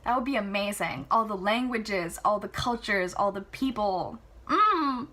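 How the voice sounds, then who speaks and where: A woman reading a novel aloud in an enthusiastic, chatty way, adding casual asides and reactions, with a husky voice. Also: mid-range voice, animated, measured pace, bright, forceful tone. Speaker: amateur book reader.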